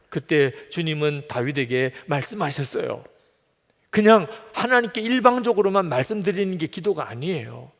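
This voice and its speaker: A middle-aged man preaching a sermon as pastor, earnest, voicing God's words in quotes and sometimes dropping to a whisper. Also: fairly high pitch. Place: church sanctuary. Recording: long hall reverb.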